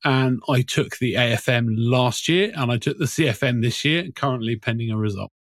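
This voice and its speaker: Man from UK, panel guest, plain, friendly, mid pitch, dry. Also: normal speed, dry recording. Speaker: guest, accountant.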